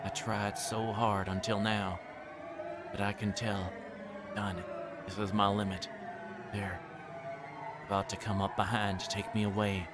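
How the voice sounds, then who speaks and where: A deranged young woman killer acted out by a man broods and gloats in a fairly low voice. She is bitter, obsessed with vengeance, and speaks over prominent music, as in a visual novel. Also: flat delivery, unhurried, pauses often, natural voice. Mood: weary despair. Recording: music playing behind the voice.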